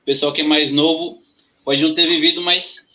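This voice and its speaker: A man's voice: a little high, steady tone, normal speed, bright, forceful tone, dull audio. A man hosting an interview, asking questions hesitantly with many fillers and restarts. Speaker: interview host.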